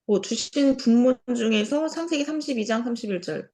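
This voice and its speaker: A woman's voice: fairly high pitch, expressive, fairly quick, warm tone. A woman taking part in a church Bible study, answering by reading verses aloud and adding short comments. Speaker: discussion participant. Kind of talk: church lesson discussion.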